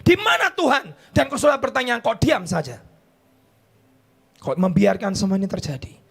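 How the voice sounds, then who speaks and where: High, gravelly-voiced preaching man. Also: huge pitch swings, normal speed. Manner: preaching, mixing in English phrases, rising to shouts. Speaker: pastor. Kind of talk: sermon. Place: church.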